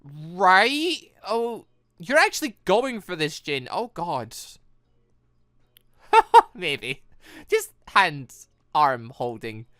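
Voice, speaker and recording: A woman hosting a gaming video, giving casual, excitable playthrough commentary with halting exclamations. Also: fairly low pitch, dry recording, clean studio sound.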